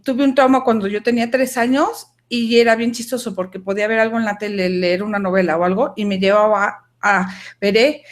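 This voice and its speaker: Speaking a little fast at medium pitch, a woman from Mexico and Denmark tells a personal story via video call. She is emphatic and animated, with frequent self-corrections in the middle of sentences.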